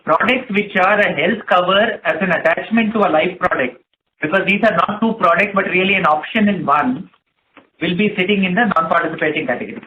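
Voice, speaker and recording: A high-voiced man speaks as a company executive, explaining things in a measured way to analysts. He is on a narrow phone connection with some noise and clicking. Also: sharp tone. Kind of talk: earnings call answers. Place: conference call. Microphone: telephone.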